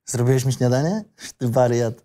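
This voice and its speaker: Audio drama: male actor as awkward, teasing young man, mellow tone, casual hesitant delivery. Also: mid-range voice, normal speed, close to an everyday voice. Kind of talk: script reading for audio drama.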